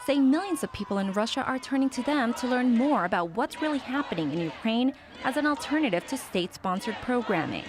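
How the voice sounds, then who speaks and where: A woman news reporter with a fairly high voice narrates a scripted report. Her delivery is that of a prepared news package. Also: expressive, a little fast, few pauses.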